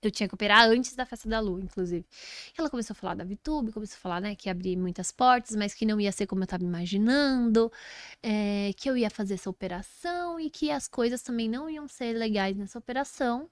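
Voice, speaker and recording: A woman's voice: medium pitch, fast, no echo, clean studio sound. A woman with a Brazilian Portuguese accent, a guest telling a story in a casual interview and acting out what people said. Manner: animated, acts out quoted speech.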